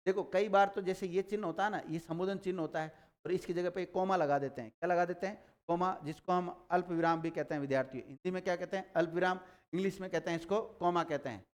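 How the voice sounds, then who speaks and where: A man teaching a grammar lesson, explaining rules and quizzing students with quick repeated questions. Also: high-pitched, fairly even intonation, smooth.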